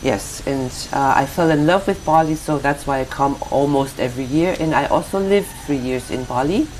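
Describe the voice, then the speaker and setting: With a German accent and very deep, low pitch, a woman speaks at a moderate pace with hardly any pauses and ordinary pitch variation over noticeable background noise. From Germany. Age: 60s. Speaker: artist and yoga teacher. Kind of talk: interview. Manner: halting.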